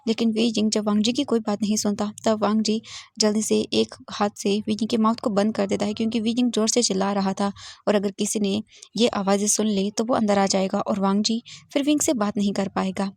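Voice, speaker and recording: A woman's voice: mid-range voice, fairly even intonation, fairly quick, vocal fry, a little mellow, no echo, studio quality. A woman casually retelling a fan fiction story in plain, explanatory storytelling.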